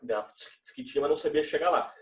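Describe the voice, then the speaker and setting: A man's voice: a little high, rapid-fire. A young man teaching religious education, talking to his students in a loose, conversational way with frequent tag questions. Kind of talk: classroom talk to students. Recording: echoey room, mic at a distance.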